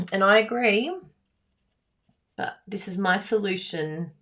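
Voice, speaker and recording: A woman with a croaky voice, hosting a live card-making class in a chatty, giggly, self-teasing way. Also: mid-range voice, animated, slow. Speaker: card-making instructor and livestream host. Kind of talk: live craft class chat.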